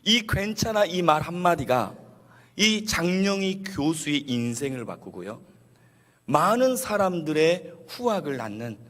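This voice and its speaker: A male pastor preaching a Sunday sermon in an animated way, acting out the quotes he tells. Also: on the high side, unhurried. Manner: animated, acts out quotes with shifting voices. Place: church sanctuary. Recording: long church reverb.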